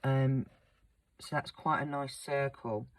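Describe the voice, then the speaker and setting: Croaky woman chatting through a craft demo. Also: extremely low pitch, takes it slowly, dry recording. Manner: relaxed, chatty, many ums. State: croaky, sore throat. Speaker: craft channel host. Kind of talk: casual craft demonstration.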